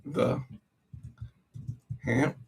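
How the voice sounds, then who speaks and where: A man YouTuber giving casual live-stream commentary to his viewers, muttering to himself as he edits at a desk mic. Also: very slow. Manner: laid-back, talks to viewers as "y'all", mutters while working.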